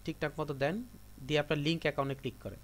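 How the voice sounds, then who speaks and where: Higher-pitched man guiding a class. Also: steady tone, very fast. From Bangladesh. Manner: repetitive step-by-step instructions to students. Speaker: computer class trainer. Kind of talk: live classroom tutorial.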